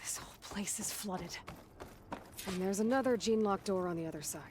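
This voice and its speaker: A woman's voice: mid-range voice, normal speed, very noisy, lightly acted. A woman playing a determined young tribal hunter in a video game, muttering wryly to herself as she explores. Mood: quietly pensive. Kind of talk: video game cutscene acting.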